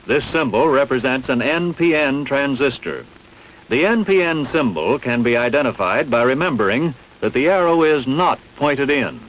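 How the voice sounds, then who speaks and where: Man narrating with lively intonation. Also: medium pitch, slight background noise, low-quality recording. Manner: measured, didactic, carefully enunciated. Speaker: training film narrator. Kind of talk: scripted instructional narration.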